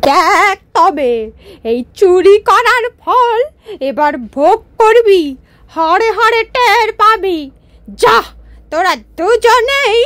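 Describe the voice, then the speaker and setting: A woman voicing an angry magical old woman in a cartoon, scolding in slow, drawn-out phrases. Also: very high-pitched, a bit bright, no room sound, heavily acted.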